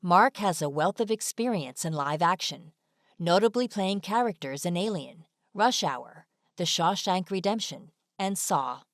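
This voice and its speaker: A woman's voice: fairly low pitch, expressive, unhurried, dry recording, clean studio sound. A woman reading scripted narration for an online video as a voice-over. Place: close, dry voice-over recording.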